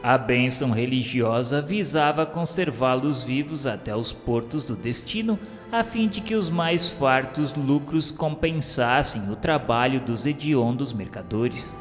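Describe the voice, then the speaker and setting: A man with a Brazilian accent reading a solemn scripted radio drama narration in formal, measured literary diction. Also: mid-range voice. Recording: long reverb, music under the voice.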